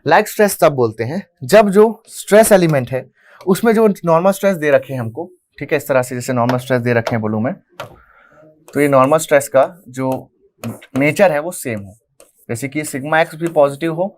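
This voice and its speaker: A man with an Indian accent teaches an engineering lecture in a fairly high-pitched voice. He drills the key terms by repeating them and keeps throwing questions at the class, answering each one himself a moment later. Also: normal speed, slight background noise. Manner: mixes Hindi with English terms, repeats key phrases, asks and answers his own questions. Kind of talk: classroom lecture explaining at a whiteboard.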